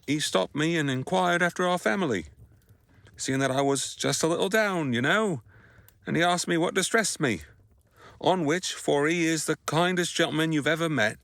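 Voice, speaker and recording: A man's voice: on the high side, creaky, a bit bright, dry recording. An actor playing a humble, grieving Victorian father in an audio drama, speaking tenderly and earnestly. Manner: tender, earnest, old-fashioned phrasing.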